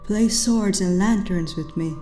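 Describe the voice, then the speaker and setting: A woman's voice: mid-range voice, measured pace, warm tone, soft background music, close to an everyday voice. A woman with an Eastern European accent voicing a brave, caring young alien sister, earnest and formal, in a story. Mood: concerned.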